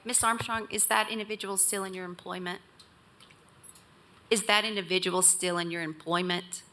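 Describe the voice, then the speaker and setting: Female commissioner, lowish bright voice, polite and brisk. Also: fairly even intonation, slight background noise. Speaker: county commissioner. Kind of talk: questioning at a public hearing. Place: county board meeting room.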